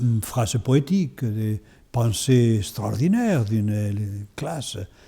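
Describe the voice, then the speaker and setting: Very slowly, a man speaks with a dark, mellow tone. His voice is somewhat breathy, with ordinary pitch variation. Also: medium pitch for a man. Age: 80s+. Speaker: priest and exorcist. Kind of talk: lecture. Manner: conversational, many verbal tics.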